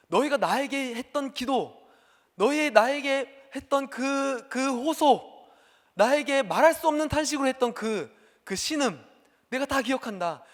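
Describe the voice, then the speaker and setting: A man voicing God answering his people in a slow, promising way. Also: very high-pitched, pitched above the performer's own voice. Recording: long hall reverb.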